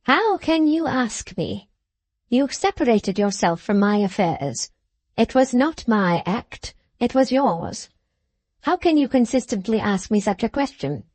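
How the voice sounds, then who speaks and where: A cold and unyielding old mother, stern in every word, as a woman reader puts her on. Her voice sits above the narration, slow and deliberate, with a mellow, warm tone. The storybook reading is dry and close, with no room sound behind it. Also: a little high, sing-song, dry recording. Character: stern, cold older mother, a widow in a wheelchair.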